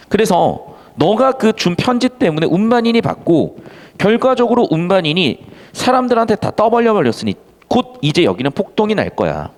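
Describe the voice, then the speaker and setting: A man tutoring students in an exam-prep lecture, animated, mixing casual and polite speech and acting out example lines. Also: sits high, big-room sound. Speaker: Korean literature tutor.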